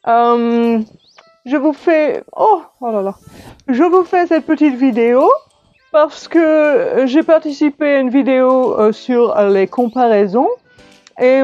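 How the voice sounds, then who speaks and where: A woman playing a prim, flustered grown woman who gives a hesitant testimonial in a comic sketch, full of pauses and fillers. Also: high-pitched, a little mellow, muffled recording.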